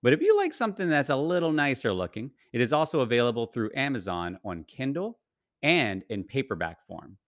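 A man's voice: medium pitch, very animated, fairly quick, no room sound, clean studio sound. A podcast host, a man, reading a friendly and persuasive promotional announcement.

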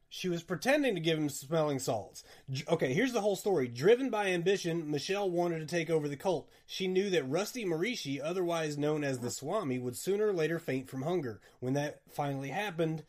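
Podcast host, man, slightly higher voice, animated and exasperated as moderator. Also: a little fast. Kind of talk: casual chat.

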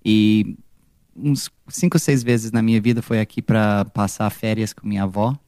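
A young man from California with an American accent talks slowly and haltingly, often stopping to find the right word and sometimes switching to English. His voice sits low and mellow. The room sounds dry and close. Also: fairly even intonation, no room sound. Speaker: musician guest. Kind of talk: casual interview.

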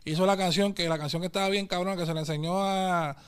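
A man with a Puerto Rican accent chats in a quick, lively stream of street slang and keeps calling his listener papi and brother. His voice sits high and comes through smooth and clear. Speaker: guest artist. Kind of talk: casual interview chat.

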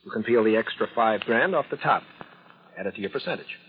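A man's voice: fairly low pitch, lively intonation, fast, slightly rough. An actor playing a cocky, greedy man dealing in stolen goods, hard-nosed and casual, in 1940s radio style. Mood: cocky, haggling. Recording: dull old radio recording.

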